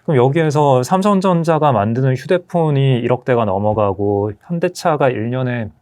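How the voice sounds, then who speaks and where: A man who runs an asset management firm talks through markets and technology as an interview guest. His voice sits at a middle pitch and moves up and down a lot. He lays out his points in a measured, explanatory way. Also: lively intonation, darkish tone.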